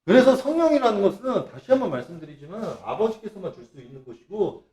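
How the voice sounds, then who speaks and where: Brief: male religious speaker, high lively voice, sarcastic rant. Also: fast. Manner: sarcastic, mocking, animated. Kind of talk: ranting religious monologue.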